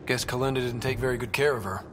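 A man playing a dry, teasing, steady young space adventurer in a video game, wry and deadpan. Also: medium pitch, quick pace, music in the background, lightly acted. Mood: skeptical. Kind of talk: video game dialogue acting.

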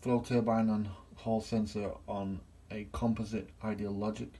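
A middle-aged man with a gravelly, creaky voice walks through a repair step by step as a gas engineer. He talks plainly into a phone he holds himself. The sound is that of a small indoor workshop. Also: fairly low pitch, flat delivery, moderate pace, warm tone. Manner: plain step-by-step explaining, filming on his own phone. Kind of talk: hands-on repair demonstration. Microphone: phone camera held in hand.

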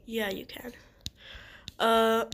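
A woman's voice: on the high side, little pitch movement, very slow, a bit bright, a little hiss or hum. A woman with a stuffy nose giving rambling, hesitant casual gameplay commentary as a gaming channel host. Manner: rambling, hesitant with many ums and restarts.

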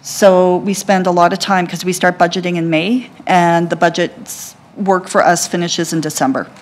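Woman explaining budgets to council, lowish voice, clear and matter-of-fact. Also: steady tone, normal speed. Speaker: library system executive presenting to council. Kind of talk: formal presentation answers. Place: council chamber.

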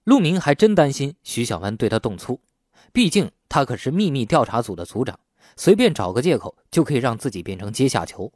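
A man's voice: medium pitch, big pitch swings, a little fast, a little mellow, no echo, studio quality. A man reading scripted, dramatic story narration as an audiobook narrator.

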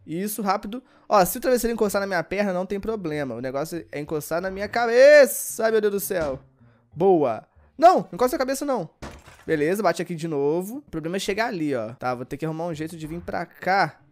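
Fast-talking, excitable Brazilian gamer man. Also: sits high. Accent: Brazilian Portuguese. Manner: excitable, yelps and shouts at the game. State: sleepy and exhausted. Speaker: gaming YouTuber. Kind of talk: let's-play commentary.

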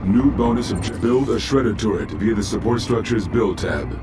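Man voicing low, impersonal military battle computer. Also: lively intonation, moderate pace, lightly acted. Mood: impassive. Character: impassive male military battle computer announcer. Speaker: in-game announcer. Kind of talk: clipped status announcements. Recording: loud music and vehicle noise behind. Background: loud game music, vehicles.

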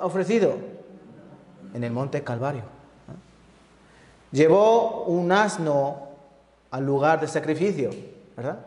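A man preaching a sermon as an evangelist, asking his listeners questions at every turn. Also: high voice. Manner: lively, asks the congregation many rhetorical questions. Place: church hall. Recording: echoey reverberant church hall.

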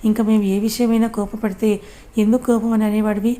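A woman's voice: mid-range voice, little pitch movement, fairly quick, mellow, close to an everyday voice. A woman voicing a concerned young man questioning his friend, in a read-aloud story. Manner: puzzled, questioning.

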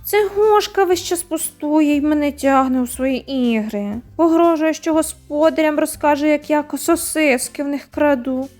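A woman's voice: high voice, moderate pace, hardly any pauses, a little mellow, faint music behind, voice pushed up, close to an everyday voice. A woman voicing a lazy, plump ginger tomcat who whines and pities himself in a storybook tale. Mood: complaining. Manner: whining, self-pitying.

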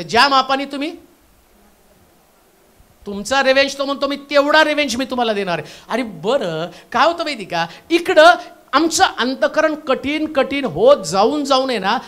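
Male pastor, church sermon, swings from shouting to quiet, lively pitch. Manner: preaching in bursts, shifting from loud to hushed, repeating the reader's words. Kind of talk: Pentecostal sermon.

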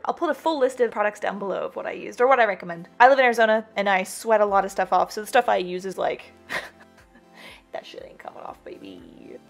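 A woman's voice: medium pitch, very fast, gravelly, few pauses, soft background music. A young woman hosting a casual crafting vlog, chatty and playful, swearing freely as she walks through her costume. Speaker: cosplayer and video host.

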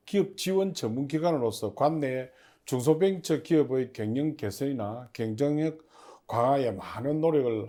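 A man giving formal, somewhat halting interview answers as the head of a public agency, as if partly reading prepared notes. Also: mid-range voice, warm tone.

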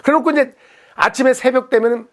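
A man's voice: very high voice, fast. A male comedian hosting his show, telling a funny story and acting out the people in it. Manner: animated anecdote telling, acting out characters. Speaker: comedian host. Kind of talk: stand-up storytelling.

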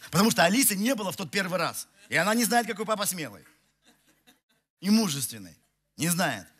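Bright-voiced pastor telling a funny story. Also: male voice, sits high, sing-song, a little fast, breathy edge. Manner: chatty storytelling, self-mocking, many restarts; walks the stage, gesturing. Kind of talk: sermon with humorous personal story. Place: large church hall with audience. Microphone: headset mic.

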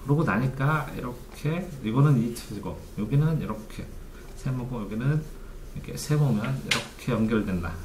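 A male study coach walks through his method step by step, often posing questions and answering them himself. His pitch moves in a lively way. The recording sounds echoey, with faint noise underneath. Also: normal speed.

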